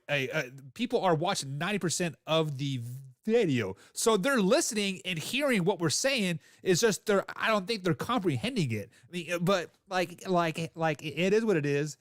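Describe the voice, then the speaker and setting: A man co-hosting a sports chat, speaking casually and haltingly with lots of filler words and restarts. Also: a little high, no room sound, studio quality. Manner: halting, heavy filler words, laughs often. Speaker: podcast co-host.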